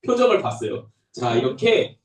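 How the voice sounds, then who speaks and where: A young adult man who is a pastor, telling a Bible story to toddlers in a sing-song, animated way. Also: mid-range voice, normal speed. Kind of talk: children's sermon. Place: church room. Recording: echoey room, voice from a distance.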